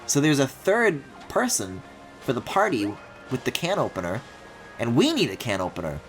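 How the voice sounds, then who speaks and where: A man's voice: mid-range voice, wildly swooping pitch, moderate pace, a bit bright. A man streaming a video game with casual live commentary, thinking aloud expressively. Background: game music.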